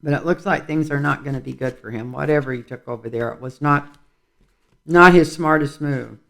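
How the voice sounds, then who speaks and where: A man's voice: fairly high pitch, moderate pace, gravelly, pushed and bright. A man reading tarot cards in a casual vlog, rambling and musing aloud as he goes. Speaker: tarot reader.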